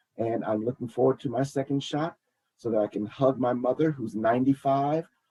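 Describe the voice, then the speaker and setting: A man with a normal speaking voice at medium pitch talks at a fairly quick pace with fairly even intonation, the sound dry and close with no echo. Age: 60s. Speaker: pastor. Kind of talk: video call interview.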